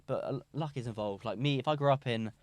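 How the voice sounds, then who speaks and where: Fast-talking teenage guy from London. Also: mid-range voice, no room sound. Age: teens. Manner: rambling, self-deprecating, restarts often. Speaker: guest. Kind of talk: casual podcast interview.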